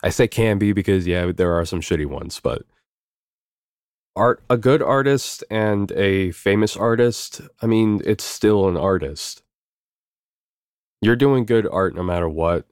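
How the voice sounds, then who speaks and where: A young man with a very deep, low voice talks through interview questions in an easygoing, meandering way, full of ums and the odd swear. He's from New York, and the recording is dry and close with no room sound. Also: unhurried, clear, resonant tone, no room sound. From New York, USA. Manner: easygoing, rambling, frequent fillers and swearing. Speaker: voice actor interviewee. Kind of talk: casual interview answers.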